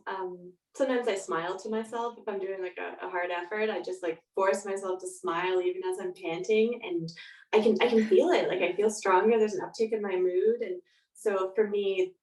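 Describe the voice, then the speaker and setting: Woman guest chatting thoughtfully, bit halting, echoey room and sitting back from the mic. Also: lowish voice. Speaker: podcast guest, author. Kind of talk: reflective interview conversation. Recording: roomy echo, distant from mic.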